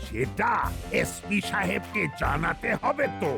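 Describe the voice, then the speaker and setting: A bossy cartoon police officer with a heavily creaking, gravelly voice. He scolds theatrically in slow, drawn-out phrases, exasperated, with music playing behind. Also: high-pitched, very animated, heavily acted. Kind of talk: cartoon voice acting.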